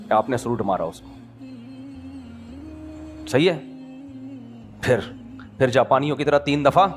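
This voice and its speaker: A middle-aged man from Pakistan giving a conversational sermon, throwing rhetorical questions at his listeners and acting out small everyday dialogues. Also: mid-range voice. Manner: animated, asks the audience rhetorical questions and acts out little dialogues. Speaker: Islamic preacher.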